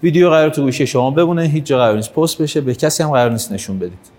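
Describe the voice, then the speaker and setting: A man's voice: on the high side, darkish tone, long reverb tail. A man leading a live workshop, talking directly to the audience and urging them on. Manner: direct, coaxing, urges the audience on. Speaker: workshop trainer. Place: hall with an audience.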